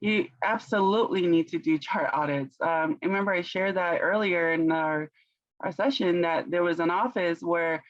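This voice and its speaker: Non-native English-speaking woman, founder guest, measured and searching for words, dry dull sound. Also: fairly low pitch, dry recording. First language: not English. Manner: thoughtful, searches for words, laughs often. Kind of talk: conversational business interview.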